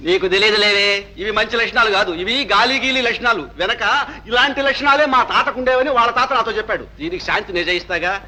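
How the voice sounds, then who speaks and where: A man's voice: sits high, pushed and bright. An actor playing an exasperated father who grumbles and nags in an old film drama. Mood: grumbling. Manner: grumbling, rapid nagging. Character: exasperated fussy father, grumbling at his wife. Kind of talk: 1950s Telugu film acting.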